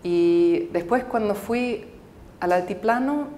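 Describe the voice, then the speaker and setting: A woman in her thirties, a native English speaker who grew up in the United Arab Emirates, answers interview questions thoughtfully, pausing often with fillers and restarts. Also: medium pitch, reverberant, noisy background. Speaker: filmmaker interviewee.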